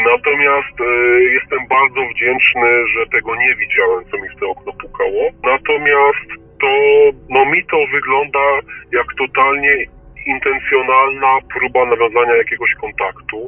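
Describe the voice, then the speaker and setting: Amid noticeable background noise, a man talks at a moderate pace with long, frequent pauses and big swings in loudness. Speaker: UFO witness. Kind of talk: testimony. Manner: halting.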